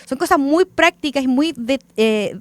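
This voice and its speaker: A woman from Chile, a composer answering radio interview questions hesitantly, with many pauses and fillers. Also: sits high, expressive, no echo.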